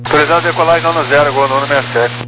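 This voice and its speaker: A man's voice: on the high side, fairly even intonation, racing. A man with a Brazilian accent speaking as a pilot, giving terse readbacks over aviation radio. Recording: noisy cockpit radio with hum.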